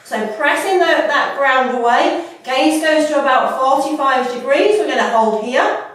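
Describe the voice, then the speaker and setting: A woman with a slightly stuffy cold, leading a workout with calm, unhurried cueing. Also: high-pitched. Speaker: fitness instructor. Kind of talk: guided workout instruction. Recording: echoey room, mic at a distance.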